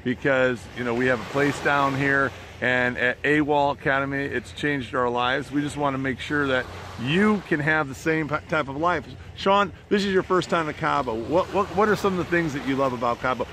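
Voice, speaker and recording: A man's voice: moderate pace, hardly any pauses, pushed and bright. A man hosting a casual promotional vlog with an enthusiastic, salesy manner, often repeating his phrases. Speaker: online business promoter and host. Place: outdoors beside the ocean. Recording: noisy outdoor recording with background rumble.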